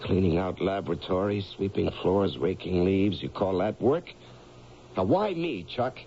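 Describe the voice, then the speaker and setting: An actor playing a bitter, self-pitying middle-aged ex-miner in a radio drama, grumbling and sarcastic. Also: male voice, deep voice, animated, a little slow, dark tone. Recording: muffled, lightly noisy old radio recording.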